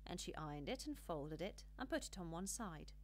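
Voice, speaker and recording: A woman reading a children's storybook as an audiobook narrator, with an expressive, measured storytelling delivery. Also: lowish voice.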